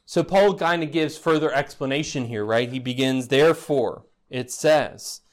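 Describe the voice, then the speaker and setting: A man's voice: medium pitch, normal speed. A man preaching an expository sermon as pastor, in a conversational teaching manner, often tossing rhetorical "right?" questions to the congregation with a touch of dry teasing humor.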